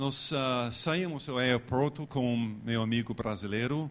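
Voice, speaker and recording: This man speaks with an English accent and lively intonation. His delivery comes at a fairly slow pace. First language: English (speaking Portuguese). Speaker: missionary. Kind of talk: testimony. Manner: halting.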